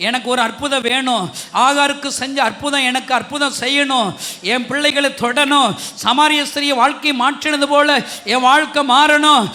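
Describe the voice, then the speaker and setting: Fervent Tamil preacher in a reverberant hall. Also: male voice, very high-pitched, sharp tone. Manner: fervent, repetitive calls to the congregation. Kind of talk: sermon and prayer.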